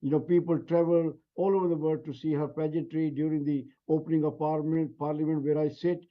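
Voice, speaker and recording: A man's voice: on the high side, flat delivery. Older man on a dull remote link. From India. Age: 70s. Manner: measured, with frequent restarts and fillers. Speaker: guest commentator, member of the House of Lords. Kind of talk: live news interview.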